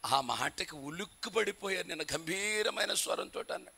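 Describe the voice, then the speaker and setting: A man's voice: high voice, lively intonation, moderate pace, gravelly, pushed and bright. A male pastor preaching a sermon in a dramatic storytelling manner.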